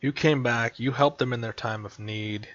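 A man's voice: mid-range voice, fairly even intonation, normal speed, dry recording. A man narrating as game master over voice chat, laughing often and slipping into character lines. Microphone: headset over voice chat. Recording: dull lo-fi voice chat.

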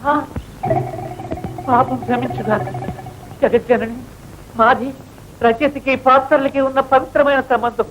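An actor playing a flustered, pompous writer in a film comedy, with a theatrical manner. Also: male voice, extremely high pitch, steady tone, unhurried, long pauses, over music. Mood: fussy. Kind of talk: 1980s film comedy acting. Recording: dull old film soundtrack with faint hiss.

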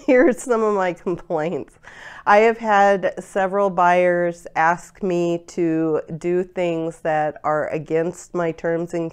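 Congested woman venting, smooth low voice. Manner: chatty, venting with frequent laughs. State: congested from a cold. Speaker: online parts store owner. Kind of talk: casual vlog rant. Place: home room lined with storage drawers. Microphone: lapel mic.

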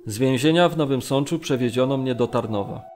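An actor playing a Polish wartime volunteer, speaking plainly and with restraint in a documentary radio drama. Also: male voice, medium pitch, a little fast, darkish tone, soft background music, close to an everyday voice. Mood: restrained recollection. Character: Polish volunteer recalling arrest and prison.

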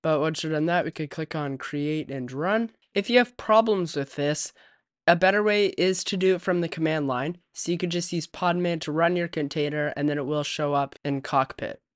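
A man hosting a tech tutorial, walking through software setup step by step as a voice-over at a USB desk microphone. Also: on the high side, moderate pace, dry recording, studio quality. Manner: steady step-by-step instruction. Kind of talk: screen-recorded software tutorial.

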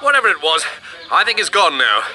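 A man's voice: on the high side, very animated, fairly quick. A man voicing a brave, kindly polar bear captain in a children's cartoon, earnest, polite and commanding. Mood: curious. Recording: loud music behind, screen-recorded cartoon.

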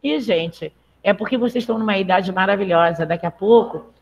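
A woman's voice: medium pitch, fairly quick, a little mellow. A woman teaching a live online Portuguese lesson, chatty and encouraging, often checking in with her students.

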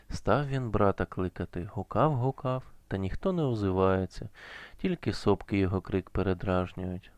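A man narrating a folk fairy tale as a storyteller, in a measured, rhythmic way. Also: on the low side, a little mellow, dry recording.

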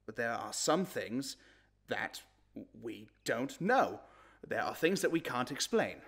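Man acting an earnest, hushed, troubled storyteller. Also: medium pitch, sing-song, takes it slowly, husky, full character voice. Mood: troubled, searching. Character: earnest, troubled man recounting an argument about God. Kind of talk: intimate dramatic stage monologue.

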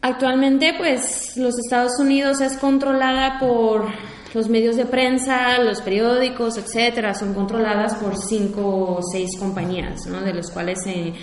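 A woman's voice: fairly high pitch, flat delivery, a little slow, a little hiss or hum. A woman in her twenties, from Mexico, with a Mexican Spanish accent, giving an informal talk in a university hall with many fillers and restarts. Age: 20s. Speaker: invited speaker, war veteran. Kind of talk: public talk to an audience. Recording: echoey lecture hall.

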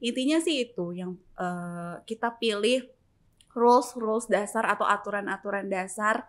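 A woman in the role of a parenting expert explains her advice in an interview. Her pitch sits in the middle range. She talks in a measured way, goes through numbered points and keeps adding gentle tag questions.

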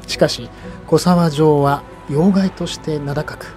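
Bright-less, mellow higher-pitched male history guide. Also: fairly even intonation, takes it slowly, soft background music. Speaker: local history guide and narrator. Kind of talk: explanatory historical narration.

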